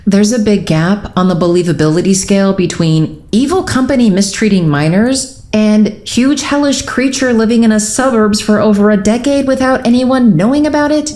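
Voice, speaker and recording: A woman's voice: medium pitch, moderate pace, hardly any pauses, dark tone, lightly acted. A woman playing a skeptical, rational friend in an audio drama, wordy and precise in how she argues.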